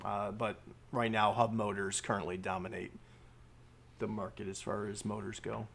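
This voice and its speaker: A man's voice: lowish voice, little pitch movement, normal speed, gravelly, a bit bright, a little hiss or hum. A man hosting a live stream, reading out and discussing news articles with many fillers and restarts.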